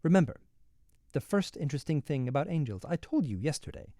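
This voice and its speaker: A man acts out an urbane male ruler from a storybook in an American accent, close and dry in sound. He speaks in a measured, ironic way, polite on the surface and coolly threatening underneath. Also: a little high, sing-song, warm tone, no echo, voice pushed up. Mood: dry, patronizing. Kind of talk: storybook dialogue read aloud.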